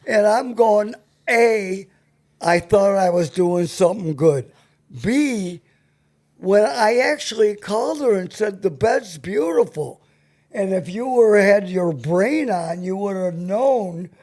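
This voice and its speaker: A man's voice: sits high, lively intonation, slow, darkish tone. An older man hosting a casual talk show, telling stories and bantering in a blunt, profane way. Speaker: show host.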